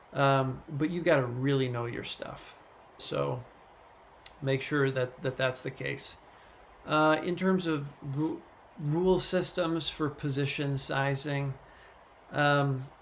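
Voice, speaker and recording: With fairly even intonation, a man talks at a very slow pace and a fairly high pitch. His voice is somewhat breathy, broken by long, frequent pauses. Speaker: stock investing YouTuber. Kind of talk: casual Q&A talk to camera.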